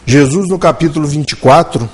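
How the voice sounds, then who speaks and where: Man, high voice, religious lecture, storytelling delivery, slows down for emphasis. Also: slightly rough. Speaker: spiritist lecturer. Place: spiritist center meeting room.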